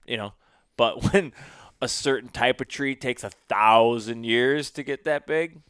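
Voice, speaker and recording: A man's voice: mid-range voice, a little slow, a bit bright, smooth, dry recording. A man hosting a casual chat, blunt and opinionated, swearing freely.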